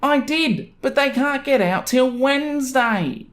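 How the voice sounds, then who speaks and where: An entitled neighbour's wife played by a man reading a story online pleads in a high, strained voice. She whines and wheedles as if the favour were owed to her. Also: lively intonation, slow pace, a bit bright, heavily acted. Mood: whiny pleading. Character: entitled, whiny neighbour's wife begging for internet.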